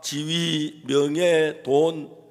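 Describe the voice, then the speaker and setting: A man preaching a sermon, telling a story with acted quotes and swinging between hushed and emphatic delivery. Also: fairly high pitch, level tone, drawn-out words. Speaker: pastor. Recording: long reverb of a large hall.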